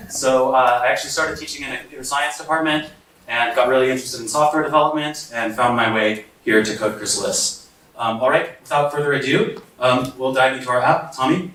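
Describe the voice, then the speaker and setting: A man's voice: mid-range voice, fairly bright tone. A man introduces himself with dry, self-mocking jokes. His voice sits mid-range and is captured from a distance, ringing in a big, echoing space. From Seattle, USA. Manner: self-deprecating humor. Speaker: bootcamp student presenter. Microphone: distant from the mic. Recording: echoey hall audio from far off.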